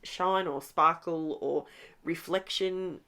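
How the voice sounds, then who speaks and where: A woman's voice: fairly low pitch, steady tone, takes it slowly, fairly bright tone. A middle-aged Australian woman with a congested nose, chatting enthusiastically through a scrapbooking tutorial as she works. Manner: chatty, enthusiastic, talks while crafting. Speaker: scrapbooking channel host. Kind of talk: casual craft tutorial chat.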